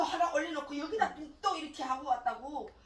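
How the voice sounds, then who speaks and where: In a North Korean accent, a woman speaks in a high, animated voice with very wide pitch swings. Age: middle-aged. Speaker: YouTuber, North Korean defector. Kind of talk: casual chat.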